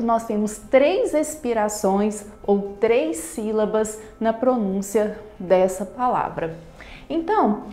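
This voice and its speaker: A woman's voice: fairly high pitch, darkish tone, reverberant. A woman teacher giving a grammar lesson, explaining patiently and repeating key terms. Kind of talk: classroom lesson.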